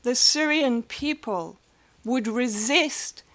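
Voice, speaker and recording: A woman's voice: a little high, drawn-out words, fairly bright tone. A woman speaking on a press panel, firm and rhetorical in her argument.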